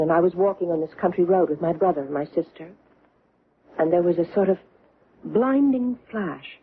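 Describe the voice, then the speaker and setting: A woman's voice: lowish voice, husky. Haunted woman on tinny old radio. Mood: earnest, remembering. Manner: hesitant, deliberate, broken phrases. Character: earnest, haunted middle-aged woman recalling strange encounters. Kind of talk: vintage radio drama acting.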